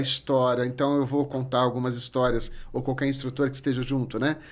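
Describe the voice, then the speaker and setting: A man talks at a moderate pace. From São Paulo, Brazil. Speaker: diving instructor and business owner. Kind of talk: podcast interview.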